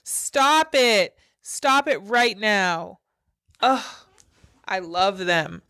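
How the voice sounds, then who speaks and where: A woman's voice: mid-range voice, expressive, drawn-out words, bright, forceful tone, smooth. A woman hosting a podcast, chatting effusively about wedding looks. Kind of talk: casual podcast chat.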